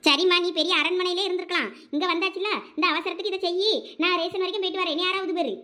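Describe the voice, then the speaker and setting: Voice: very high voice, fairly even intonation, racing, pushed and bright. A voice actor playing a scolding, fed-up village mother-in-law in a cartoon, with a Thoothukudi Tamil accent. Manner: scolding, nagging.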